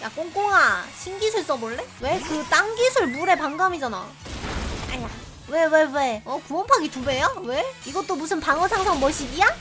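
Chatty high-voiced woman over game music. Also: expressive, moderate pace. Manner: chatty, reacts loudly and laughs often, teases viewers. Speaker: game streamer. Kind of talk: casual let's-play commentary.

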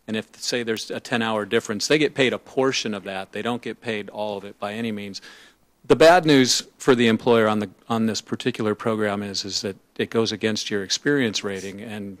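A man's voice: fairly low pitch, fairly quick. A man, a business owner, sharing his own experience on a panel in a plainspoken, hesitant way.

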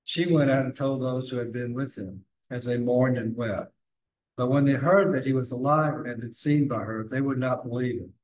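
A man's voice: medium pitch, moderate pace, a little mellow. An older man reading a scripture lesson aloud in plain, careful phrasing, recorded from a distance in a large cathedral. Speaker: lay reader. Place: large cathedral sanctuary, indoors. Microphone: far camera.

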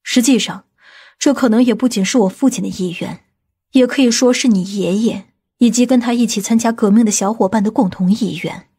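A woman playing a stern, commanding woman from a powerful family in an audiobook drama, speaking gravely and deliberately. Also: on the high side, warm tone. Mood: assured, grave.

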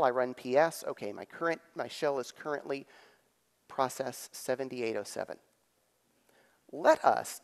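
Middle-aged male keynote speaker, live tech demo delivery, halting then emphatic, big-room reverb. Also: mid-range voice. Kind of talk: live technical presentation with demonstrations. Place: on stage in a theater, at a lectern. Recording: echoey theater hall reverb.

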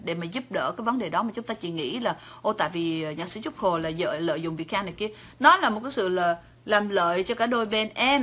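Chatty bright-voiced Southern Vietnamese woman. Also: mid-range voice, slightly rough. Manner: talkative, chatty, laughs often, teasing. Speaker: livestream host. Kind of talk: casual livestream chat answering viewer comments.

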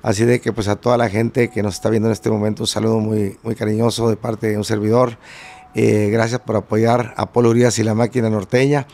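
A man's voice: fairly low pitch, level tone, fairly quick, darkish tone. A man telling rambling anecdotes as a guest musician in a casual interview, full of fillers and restarts. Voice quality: gravelly.

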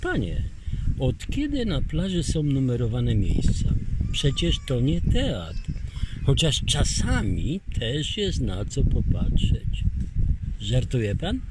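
A man's voice: medium pitch, huge pitch swings, slow. An older man acting a husband in a home radio play, genial and joking, in a noisy home recording. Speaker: husband on holiday.

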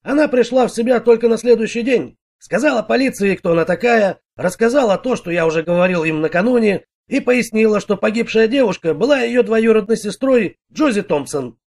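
A man doing a gruff, quarrelsome bricklayer. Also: sits high, animated, a little fast, few pauses, darkish tone. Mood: recounting. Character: irritable middle-aged male bricklayer.

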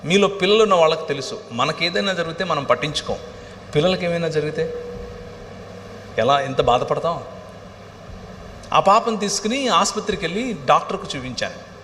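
A man's voice: fairly high pitch, expressive, brisk, long pauses, fairly bright tone. Impassioned middle-aged man preaching in a hall. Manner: impassioned storytelling, swelling to cries. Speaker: pastor. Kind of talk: sermon testimony. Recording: reverberant hall, faint ambient noise.

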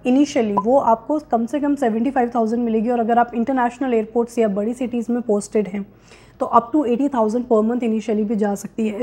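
Sitting in a small indoor room with curtains, a young woman who hosts career guidance videos talks directly to viewers in Hindi, mixing in English terms. Her voice is fairly high-pitched and mellow.

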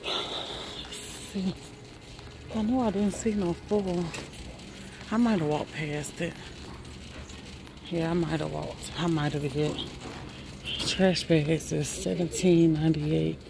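Shopping in a big warehouse store, a woman vlogs a relaxed shop-with-me tour, talking to her viewers and reacting loudly to prices. Her deep, creaky voice moves slowly with long pauses, over the noise of the store.

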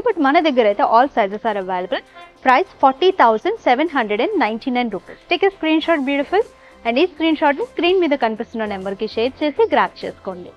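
Young woman doing a jewellery sales pitch, high bright voice, kinda dull lo-fi sound, soft music behind. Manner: cheerful sales pitch, Telugu mixed with English. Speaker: jewellery store presenter. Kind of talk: product showcase presentation. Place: jewellery showroom. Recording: dull lo-fi voice track with faint music.

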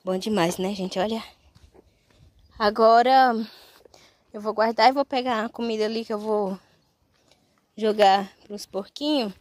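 A woman's voice: mid-range voice, unhurried, long pauses, dry recording. Chatty woman filming her farmyard. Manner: chatty, keeps addressing viewers directly. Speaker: vlogger. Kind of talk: casual farm vlog. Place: outdoor farmyard with animals.

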